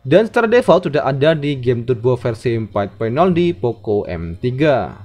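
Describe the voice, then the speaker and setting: A man's voice: medium pitch, very animated, moderate pace, a little mellow. A man hosting a tech tutorial in methodical, scripted narration. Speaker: tech channel host. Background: background music.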